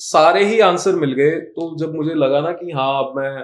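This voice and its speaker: Speaking with a slight Punjabi accent, a man has a fairly high pitch and ordinary pitch variation. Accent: Punjabi touch in Hindi. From Punjab, India (Patiala). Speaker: hair transplant patient, comedy video creator. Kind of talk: casual interview testimony.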